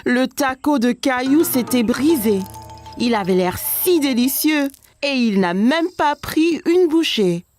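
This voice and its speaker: A woman narrating a children's cartoon like a scripted storybook, with expressive, clear storytelling. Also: high voice, takes it slowly, faint music behind.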